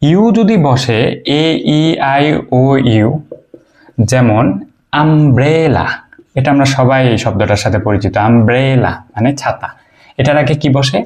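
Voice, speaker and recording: A man from Bangladesh gives a relaxed beginner English lesson to video viewers. His pitch sits in an ordinary middle range. He works through the rules step by step, stopping to ask questions and then answering them. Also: moderate pace. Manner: explains step by step, asks the listener questions and answers them himself; frequent hesitations and fillers while he thinks. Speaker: English teacher. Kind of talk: informal video lecture.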